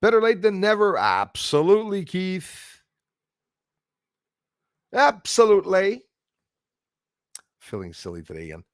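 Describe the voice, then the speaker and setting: A man in his forties with a Canadian accent, hosting a casual livestream in a rambling, halting way as he responds to viewers. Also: high voice, huge pitch swings, no echo, studio quality. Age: 40s. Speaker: livestream host. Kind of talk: casual live chat, reacting to viewer comments.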